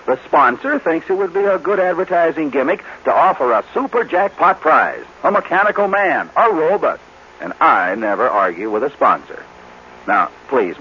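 A brash American game show host in a fifties radio drama, with a high voice that leaps all over the place. He is glib, excitable and showy. The old recording is muffled and noisy. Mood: breezy, persuasive. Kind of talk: 1950s radio drama acting.

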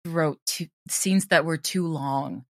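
A woman speaking as an interviewed audio drama creator, explaining her craft in a thoughtful, conversational way with many softeners. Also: low voice, slow, vocal fry, no room sound, studio quality.

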